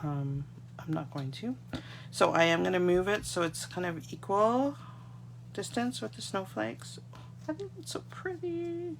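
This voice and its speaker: A woman's voice: mid-range voice, lively intonation, a little slow, vocal fry, a little hiss or hum. A congested woman from Canada, chatting to viewers as she demonstrates card-making at a craft desk. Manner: chatty, talks to viewers while working. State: congested, getting a cold. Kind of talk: casual live craft tutorial. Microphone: overhead camera on desk, hands only.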